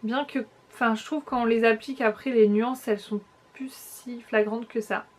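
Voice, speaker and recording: Chatty young woman with a bright voice. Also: fairly high pitch, steady tone, moderate pace. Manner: chatty, hesitant restarts, addresses viewers directly. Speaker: beauty vlogger. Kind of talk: casual makeup haul review.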